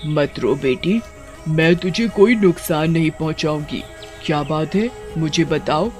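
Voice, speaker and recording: एक औरत की आवाज़ में नदी की दयालु बूढ़ी चुड़ैल. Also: female voice, low voice, a little slow, faint music behind. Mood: gentle. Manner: gentle, soothing. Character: kindly old female river witch. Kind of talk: children's storybook voice acting.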